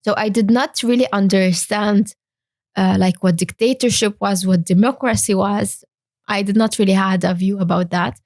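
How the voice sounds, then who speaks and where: Young woman from Syria, interview guest, halting delivery, dry sound. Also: medium pitch, steady tone, darkish tone, no echo. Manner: hesitant, many fillers and restarts. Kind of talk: interview talk.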